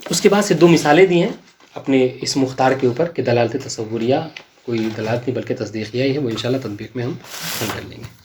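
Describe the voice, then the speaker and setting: A man's voice: medium pitch, noisy background. A man teaching a class on legal theory. He recites passages of Arabic text, explains them, and keeps asking his students whether they follow. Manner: quizzes students, checks understanding often.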